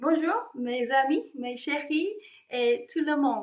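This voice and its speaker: A woman speaks with a strong English accent and lively intonation. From England. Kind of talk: casual talk to camera. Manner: rambling, hesitant.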